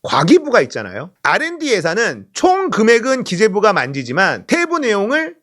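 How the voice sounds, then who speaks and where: Animated, scolding male political commentator. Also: high-pitched, moderate pace. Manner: agitated, scolding, sarcastic, swinging between loud exhortation and muttered asides.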